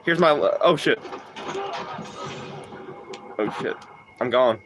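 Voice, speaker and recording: A young man live-streaming a game, chatting casually, swearing and getting excited. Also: noisy background. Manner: profane, excitable, quick swings in pitch. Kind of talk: casual live-stream chat while gaming.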